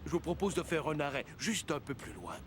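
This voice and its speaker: A man's voice: a little high, sing-song, fairly quick. A man voicing a kindly, easygoing old grandfather in a French children's cartoon dub. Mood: genial. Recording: music under the voice.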